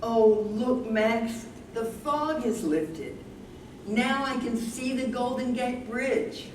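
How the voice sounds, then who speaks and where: A woman's voice: fairly high pitch, slow pace, darkish tone. Echoey far mic, lady reading as an old devoted wife, plaintive n earnest, takes her time, stage play. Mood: wondering, hopeful. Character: loving elderly wife with Alzheimer's, plaintive and devoted. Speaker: stage reader. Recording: echoey room, far from mic, background noise.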